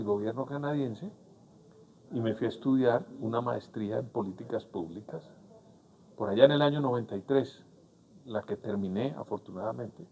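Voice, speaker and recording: Noticeable background noise sits behind a man speaking at a moderate pace. His intonation is lively, with long, frequent pauses. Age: 60s. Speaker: political analyst. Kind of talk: interview.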